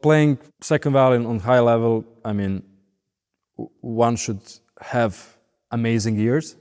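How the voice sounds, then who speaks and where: A man in his late thirties speaks English with a Serbian accent at a middle pitch. He talks in measured, deliberate phrases, as in an interview. Long reverb from a large hall surrounds his voice. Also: steady tone, darkish tone, clear, resonant tone. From Belgrade, Serbia. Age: late 30s. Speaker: professional orchestral violinist being interviewed. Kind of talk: interview monologue.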